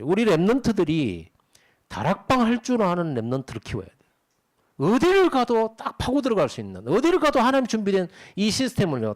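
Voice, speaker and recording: A middle-aged male pastor giving a sermon in a conversational, animated way, often asking the congregation rhetorical questions. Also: high voice.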